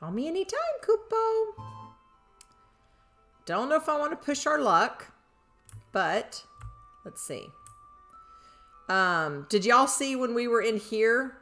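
An older woman talking through her game at an unhurried pace, her voice leaping up and down as she muses and cheers. Faint game music plays behind her. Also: fairly high pitch. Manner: thinks aloud, bursts into excited squeals. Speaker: game streamer. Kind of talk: live gameplay commentary.

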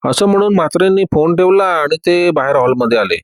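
A man's voice: a little high, animated, brisk, no room sound. A man narrating a dramatized detective story, raising his voice to act out the characters' dialogue.

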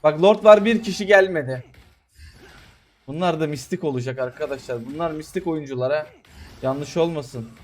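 A man narrates his mobile game match in a slightly high voice. He complains at his teammates in an exasperated way and breaks into excited shouts. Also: moderate pace. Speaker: gamer streamer. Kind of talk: live gameplay commentary.

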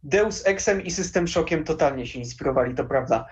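A man's voice: fairly high pitch, expressive, a little fast. A young man chatting casually and enthusiastically as an interview guest on a video call. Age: young adult. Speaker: interview guest, game collector. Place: small room lined with game shelves. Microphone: headset on a video call. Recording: dull lo-fi video call audio.

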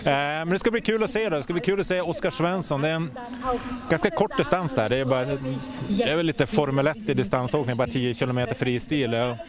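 A man's voice: fairly high pitch, a crowd in the background. Man breaking down a ski race outdoors. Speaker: sports reporter. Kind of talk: casual sports analysis. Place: outdoors at a snowy ski stadium. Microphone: handheld mic.

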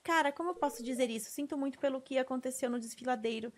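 A woman with a Brazilian Portuguese accent voicing a gloomy, apologetic young man, reading his game lines quickly and quietly. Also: high-pitched, a little hiss or hum, lightly acted.

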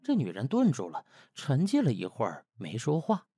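A man's voice: mid-range voice, huge pitch swings, normal speed, dark tone, breathy edge. A man narrating a comic web novel in a colloquial, theatrical storytelling style. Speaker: audiobook narrator.

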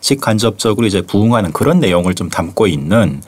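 A man in his forties with a low voice and a lively pitch sways as he lays out dates and definitions. He talks in orderly, fluent sentences, like reading from a reference book, into a close studio mic. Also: quick pace, breathy edge. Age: 40s. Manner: fluent, orderly explanations without notes. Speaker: music historian guest. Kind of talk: studio interview. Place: small studio. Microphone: studio mic on arm, close.

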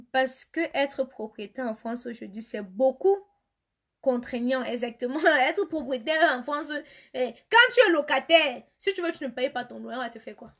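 Cameroonian woman streamer, somewhat high voice, chatty and teasing. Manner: chatty, reads comments aloud, teasing and emphatic. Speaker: live streamer answering viewer comments. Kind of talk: casual live chat.

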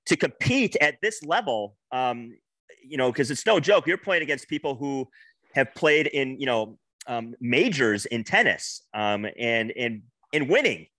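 A man's voice: mid-range voice, lively intonation, sharp tone, no room sound. A middle-aged man hosting an interview, upbeat and chatty, speaking into a headset mic from home. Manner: upbeat, quick backchannels and laughs. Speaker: host. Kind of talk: casual interview chat. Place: room at home.

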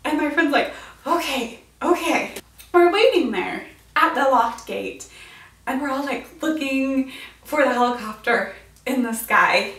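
A woman's voice: high voice, animated, measured pace, a bit bright. An American woman in her twenties telling a story casually and dramatically to camera, in a chatty way. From United States. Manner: chatty, dramatic retelling with quoted reactions. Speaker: vlogger. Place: indoors, small bright room with bookshelf. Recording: roomy echo, distant mic.

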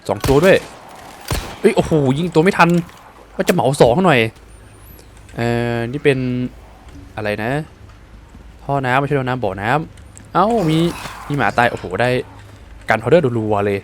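A man doing casual let's-play commentary, excitable and exclaiming at the action. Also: medium pitch, moderate pace, long pauses, slight background noise. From Thailand. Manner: excitable, exclaims and swears at the game. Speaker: gaming streamer.

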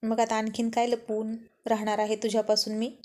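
A defiant, headstrong young woman argues her case with teasing stubbornness, as a woman storyteller reads her part. Her voice sits a little high. It is an audio love story told in one reader's voice. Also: monotone, brisk, warm tone, lightly acted.

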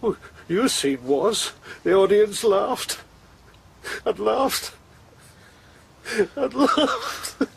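An actor playing a tearful, indignant poor poet and loyal friend in a radio drama, with a husky, creaky voice. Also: male voice, high voice, big pitch swings, drawn-out words, pauses often, exaggerated voice. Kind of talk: theatrical radio drama acting.

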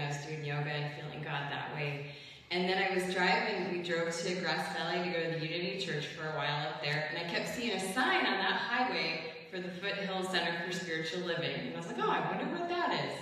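Earnest woman's testimony in an echoey chapel. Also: on the low side. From Wisconsin. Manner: earnest, emotional, with soft laughs. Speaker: congregation member giving testimony. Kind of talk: heartfelt personal testimony. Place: large chapel with hard walls. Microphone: stand mic, heard from a distant camera. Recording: echoey chapel, voice far from mic.

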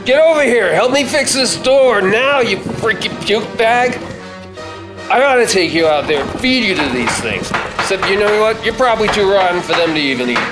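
A man acting a high-pitched, commanding hot-tempered fighter. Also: lively intonation, moderate pace. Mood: furious. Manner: urgent, commanding. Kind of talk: live staged radio play reading. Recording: stage reading with music underneath.

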